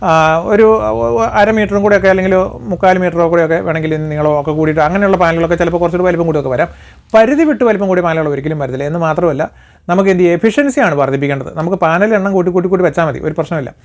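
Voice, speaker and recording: A man's voice: sits high, rapid-fire. A man explaining solar panels in a casual, rambling way, full of fillers and restarts.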